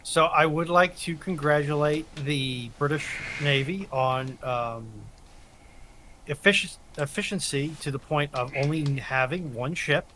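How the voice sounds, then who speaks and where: Some background noise sits behind a man with a bright, forward voice. He banters casually as a panelist, dry and sarcastic. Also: on the high side, measured pace. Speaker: panelist on a live stream.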